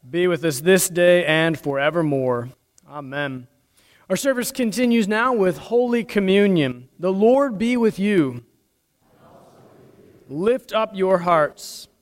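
A male pastor leading prayers and the communion liturgy in a measured, solemn cadence, his voice ringing with a cathedral-like echo in a church sanctuary. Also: high voice. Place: church sanctuary during a service. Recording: long church reverb.

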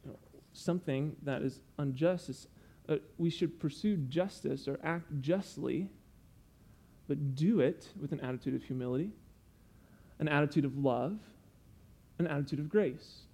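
An earnest young preacher gives a sermon in a voice a bit high for a man, dark and slightly rough, at a normal pace. He explains things patiently, the way a teacher guides a congregation through a lesson, and he often goes off on asides.

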